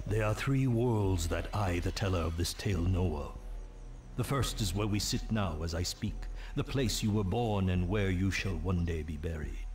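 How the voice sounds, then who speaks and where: An actor playing a solemn tribal storyteller, narrating dark legends for a fantasy game in a grave, portentous, theatrical manner. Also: male voice, deep voice. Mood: hushed, foreboding. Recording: music behind the voice. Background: prominent music.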